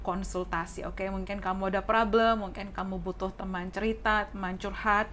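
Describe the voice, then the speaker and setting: A young woman with a hoarse voice giving a casual tarot reading, chatty and often saying "oke". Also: medium pitch, little pitch movement, normal speed, fairly bright tone, a little hiss or hum. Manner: chatty, mixes English phrases, says "oke" often. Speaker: tarot reader. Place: indoors at a wooden table.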